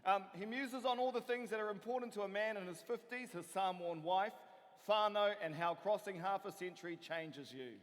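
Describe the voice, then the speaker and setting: A high-pitched man hosts from a theatre stage, teasing the audience before he calls up the next act. His voice rings out through the long reverb of a big hall. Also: moderate pace. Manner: playful, builds to a loud announcement. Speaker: MC introducing acts. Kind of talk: stage introduction.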